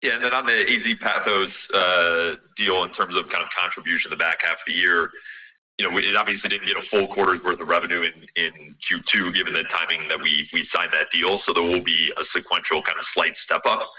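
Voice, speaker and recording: Very sharp, bright, deep-voiced male executive. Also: steady tone, a little fast, rough recording. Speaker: company finance executive. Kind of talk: unscripted earnings call answers.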